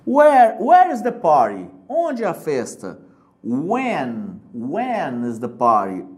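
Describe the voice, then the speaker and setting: Brazilian-accented teacher, casual prep lesson, jokey and patient, pitch swinging widely. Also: huge pitch swings, darkish tone. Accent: Brazilian Portuguese. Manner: chatty, joking, explains slowly with examples. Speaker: English teacher for exam prep.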